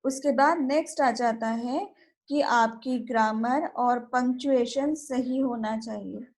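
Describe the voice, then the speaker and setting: An Indian woman teaching English at a university, explaining in Hindi and mixing in English terms, and reading example sentences out slowly. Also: high voice, darkish tone. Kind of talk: recorded classroom lecture.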